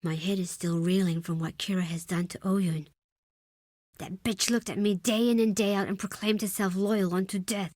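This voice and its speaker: A woman's voice: mid-range voice, fairly even intonation, normal speed, darkish tone, no room sound, studio quality, natural voice. A woman playing a proud, stern tribal deputy leader in a video game, speaking in a solemn, formal, imperious way. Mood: bitter, shaken. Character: proud, stern desert tribe woman, second-in-command, wary of outsiders. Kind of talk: dramatic video game character acting.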